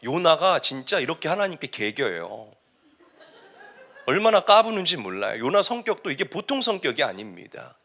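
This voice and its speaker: A male pastor delivers an emphatic sermon, telling the story vividly and asking rhetorical questions. His voice sits high for a man and is bright and forceful. His pitch swings widely from phrase to phrase. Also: sing-song, moderate pace.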